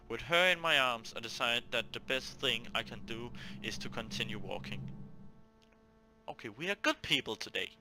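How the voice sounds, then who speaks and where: A man's voice: medium pitch, bright, forceful tone, rough recording. A man hosting a gaming video, reading a visual novel aloud theatrically, stumbling over words and talking to himself between lines.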